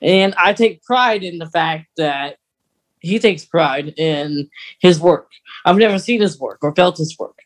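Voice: mid-range voice, unhurried. A podcast co-host chatting casually about a radio drama, explaining things in a rambling, hesitant way.

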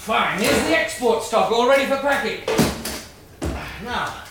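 An actor with a British accent playing a resolute, practical male survivor in a brisk, commanding manner, in the style of 1960s radio drama. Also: very high voice, animated, roomy sound. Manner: brisk, commanding, matter-of-fact. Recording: noisy old radio drama recording.

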